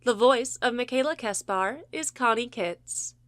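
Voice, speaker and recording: A woman's voice: a little high, unhurried, fairly bright tone, no room sound. A woman reading scripted credits and announcements as an announcer. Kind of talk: scripted narration.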